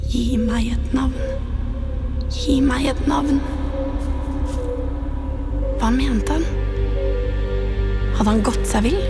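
A woman narrating a scripted horror story in a hushed, suspenseful way, often dropping to a whisper. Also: fairly high pitch. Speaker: podcast narrator. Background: music.

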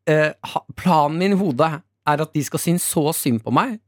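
A man with an Oslo Norwegian accent, co-hosting morning radio and telling an animated story full of acted quotes and laughter. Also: a little high, dry recording, studio quality. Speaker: radio co-host.

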